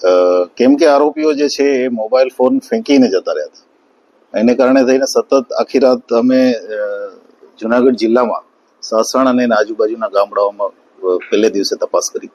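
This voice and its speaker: A man giving a formal police statement, measured and hesitant between phrases. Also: medium pitch, a little mellow, muffled recording. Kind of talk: official press statement.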